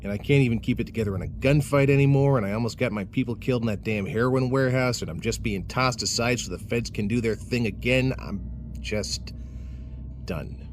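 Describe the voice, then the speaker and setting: An actor playing a weary, guilt-ridden middle-aged police officer in a naturalistic audio drama, with a hesitant delivery. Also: male voice, mid-range voice, a little fast, faint music behind, natural voice. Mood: weary, troubled. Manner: hesitant, sighing, world-weary.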